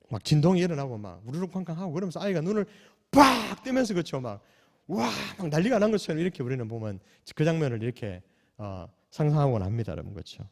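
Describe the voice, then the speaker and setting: Animated male pastor preaching in a reverberant church. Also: a little high. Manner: animated preaching, rhetorical questions to the congregation; swings from loud calls to soft near-whispers. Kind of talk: sermon at a night prayer meeting. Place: church sanctuary. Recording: long church hall reverb.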